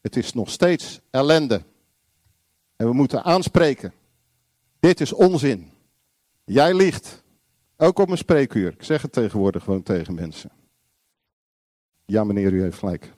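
A man preaching a sermon, blunt and confrontational, acting out little dialogues and shouting single words. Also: medium pitch, very animated, measured pace, long pauses, no echo, studio quality.

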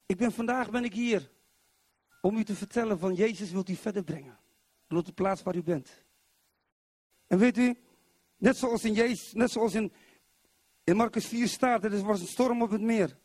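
A middle-aged man from Zwolle preaching a sermon in church, animated and constantly putting questions to the congregation. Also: high voice, normal speed, pauses often, dry recording. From Netherlands, Zwolle.

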